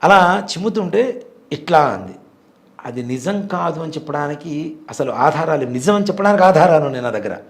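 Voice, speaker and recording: A man's voice: a little high, lively intonation, a little fast. A man in his forties, a temple priest, earnestly telling a devout personal story in an interview. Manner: earnest, devout, vivid retelling.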